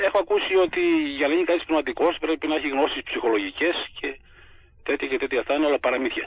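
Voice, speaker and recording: A man with a fairly high pitch talks at a very fast pace with ordinary pitch variation and long, frequent pauses. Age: 60s. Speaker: Orthodox monk and spiritual father. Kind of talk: radio interview.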